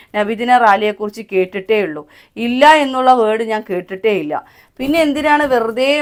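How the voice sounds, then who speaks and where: A woman's fairly high voice with lively intonation, on a very clean recording with a silent background. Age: 30s. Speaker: YouTuber. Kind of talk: vlog commentary. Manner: halting.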